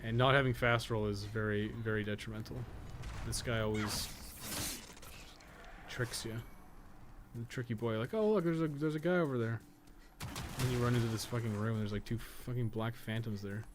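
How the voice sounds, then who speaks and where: A man giving casual live gameplay commentary as a guide host, explaining things in a relaxed, sweary way. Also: mid-range voice, moderate pace, long pauses, background noise. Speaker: game streamer and guide host.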